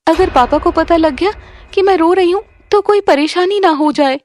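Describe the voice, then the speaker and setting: A woman voicing a gentle, pleading young stepdaughter in an animated story. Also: very high voice, normal speed, slight background noise, voice pushed up. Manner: pleading, soft-spoken.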